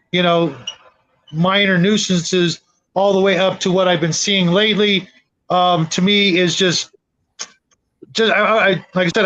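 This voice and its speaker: A middle-aged man chatting casually as a gaming show co-host, with a halting, meandering way of talking. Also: high voice, a bit bright. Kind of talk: casual chat. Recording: dull lo-fi voice chat audio.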